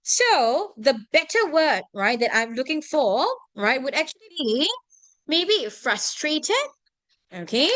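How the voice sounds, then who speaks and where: A Singaporean woman teaching an online class, her voice high and sparkling with wide swoops in pitch. She keeps pausing to ask "right?" and "okay?" in a close, dry sound. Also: no echo. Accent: Singaporean English. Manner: animated, constantly checking in with "right?" and "okay?". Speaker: tuition teacher.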